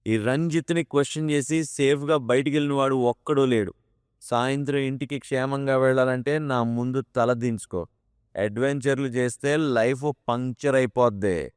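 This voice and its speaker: A man's voice: on the high side, lively intonation, normal speed, clear, resonant tone, dry recording, studio quality, pitched above the performer's own voice, natural voice. A man voicing an arrogant, drunk young male office bully in an audio drama, sneering, mocking and threatening.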